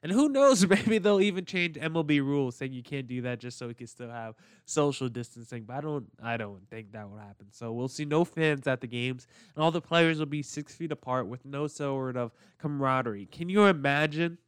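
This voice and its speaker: A man's voice: mid-range voice, brisk, clean tone, no echo, clean studio sound. A man hosting a sports podcast in a conversational way, sounding slightly nasal and congested from allergies. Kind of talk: casual solo podcast commentary, with read-out sponsor spots.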